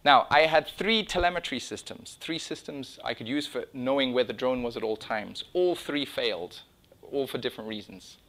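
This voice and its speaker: A man's voice: mid-range voice, lively intonation, normal speed, fairly bright tone. A middle-aged man presenting his own project in an informal talk, with conversational, self-interrupting phrasing. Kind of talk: informal conference-style talk with slides. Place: indoor meeting room or small lecture room.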